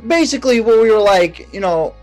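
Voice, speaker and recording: A man with a notably high voice, chatting on a podcast. He rambles through a story in easy slang and trails off into "you know" and "like". His delivery is loose and unhurried. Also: lively intonation, a little mellow, faint music behind. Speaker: podcast co-host. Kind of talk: casual chat.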